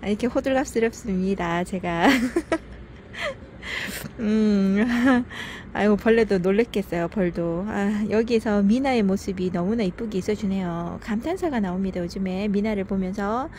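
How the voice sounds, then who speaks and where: A woman's voice: mid-range voice, moderate pace, darkish tone, a little hiss or hum. A woman filming her home veranda garden, talking fondly and chattily about each plant with little sighs. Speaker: succulent gardening vlogger. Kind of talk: casual narration while filming plants.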